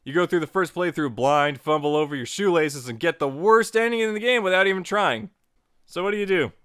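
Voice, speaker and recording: A man's voice: a little high, brisk, a bit bright, smooth, no echo, clean studio sound. A man narrating a scripted but casual tutorial as its host, with playful, joking asides.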